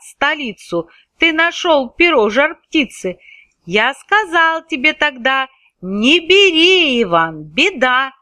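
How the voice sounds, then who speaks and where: A kindly little humpbacked magic horse gently coaxes and advises, as a woman reading verse puts it on. The voice is high, bright and lilting, with wide swings. The recording is close and dry. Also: no room sound, heavily acted.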